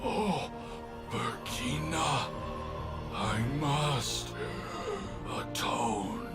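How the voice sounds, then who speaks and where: An actor playing a tormented, solemn warrior in a video game, halting and declamatory, with music behind him. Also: male voice, on the high side, expressive. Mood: remorseful. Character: tormented, solemn male warrior seeking atonement.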